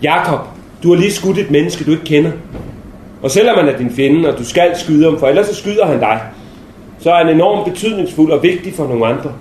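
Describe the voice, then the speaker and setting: A man doing a low earnest army captain. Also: lively intonation, close to an everyday voice. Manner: low, quiet, insistent. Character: earnest male army captain, stern mentor. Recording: roomy, faint background noise.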